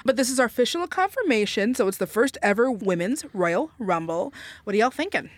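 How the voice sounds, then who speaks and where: Woman, podcast host, high voice, playful, laughs a lot, casual chat. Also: lively intonation, fairly quick, no room sound.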